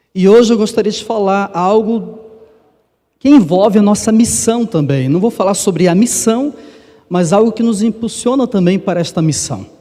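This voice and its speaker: Ordinary pitch variation marks a man's high voice as he talks at a moderate pace. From Manaus, Amazonas, northern Brazil. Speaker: pastor. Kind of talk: sermon. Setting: church.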